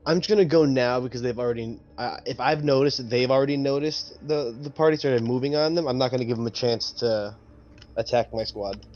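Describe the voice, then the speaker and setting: A man's voice: mid-range voice, fairly quick, darkish tone. A man chatting casually as a player in a tabletop game, thinking aloud with some hesitation. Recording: slightly dull, lo-fi voice audio.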